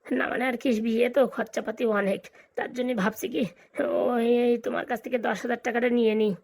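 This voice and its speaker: A woman's voice: on the high side, steady tone, fast, darkish tone. A woman voicing a nervous, balding young bridegroom in a comic cartoon, hesitant and deferential. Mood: wheedling.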